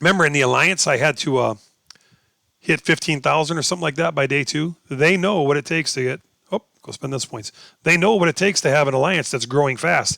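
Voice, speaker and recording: A man speaks very fast in a fairly high, bright, sharp voice with vocal fry and lively intonation, leaving long, frequent pauses, in a dry, close sound with no echo. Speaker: gaming YouTuber. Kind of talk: gameplay commentary. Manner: casual, talkative.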